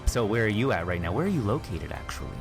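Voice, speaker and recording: A man with a low-pitched voice hosts a podcast interview. He talks in a chatty, conversational way, often circling back over his words, with music in the recording. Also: big pitch swings, fast. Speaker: podcast host.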